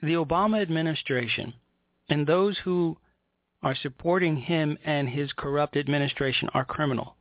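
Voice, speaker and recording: A man's voice: fairly high pitch, dry recording. American male political commentator on phone-like audio. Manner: emphatic, indignant, deliberate phrasing with repetition. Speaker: political talk show host. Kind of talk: political commentary with read-out news articles. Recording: tinny, narrow phone-like line.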